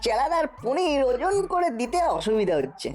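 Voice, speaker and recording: A woman's voice: on the high side, very animated, normal speed, a little mellow. A woman voicing a clever, mischievous ten-year-old boy in a comic cartoon, earnest and scheming. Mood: earnest, coaxing.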